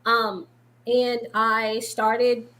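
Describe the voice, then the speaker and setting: A woman's voice: fairly high pitch, level tone, extremely slow, pushed and bright. A woman from Boston, talking casually as an interview guest in a rambling way, with lots of fillers. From Boston, Massachusetts. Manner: chatty, rambling, with many fillers and frequent laughs.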